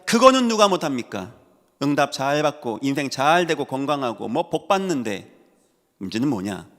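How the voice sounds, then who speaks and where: A man preaching as a pastor in a large church sanctuary, with emphatic swings between loud rises and hushed drops. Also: mid-range voice, normal speed. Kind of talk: sermon. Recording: long hall reverb.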